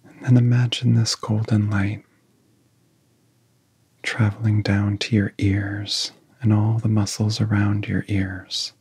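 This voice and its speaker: A man guiding a relaxation in soft-spoken ASMR style, with a soft, whispery voice and gentle, soothing phrasing broken by long pauses. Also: lowish voice, little pitch movement, dry recording. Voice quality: soft, breathy, often whispery. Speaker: ASMR hypnosis guide.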